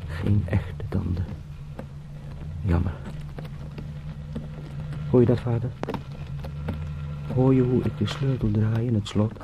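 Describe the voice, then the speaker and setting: An actor in a radio drama playing an anxious travelling salesman turned beetle, pleading and eager to please in halting, formally polite speech. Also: fairly low pitch, highs cut off. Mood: straining, urging. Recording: clearly noisy radio play sound.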